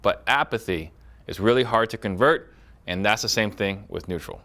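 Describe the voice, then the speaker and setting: A man leading a recorded sales training course, explaining briskly and acting out sample phone dialogues. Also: lowish voice, creaky, sharp tone.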